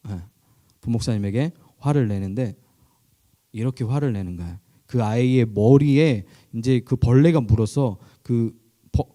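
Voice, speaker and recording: A man's voice: mid-range voice, dark tone. A Korean male pastor preaching to a youth group, telling stories in a conversational way and asking listeners questions. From South Korea. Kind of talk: sermon. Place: church, online youth service.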